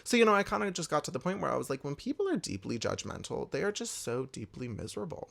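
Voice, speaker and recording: A man's voice: fast talker, creaky. A young man giving a candid, emphatic pep talk, swearing freely and confiding in his viewers. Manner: emphatic and expressive, swears freely, big swoops in pitch. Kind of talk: candid motivational monologue.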